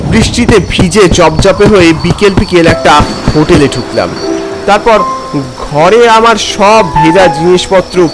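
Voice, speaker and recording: A man narrating a first-person horror story in a theatrical, expressive way. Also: high-pitched, rough recording. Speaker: narrator, telling as a film director character. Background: music.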